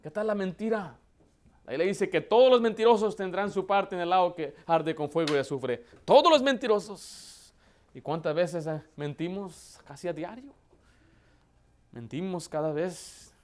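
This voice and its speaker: High-voiced man preaching emphatically. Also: normal speed. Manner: emphatic preaching with rhetorical questions; builds to loud, impassioned emphasis. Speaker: pastor. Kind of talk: sermon.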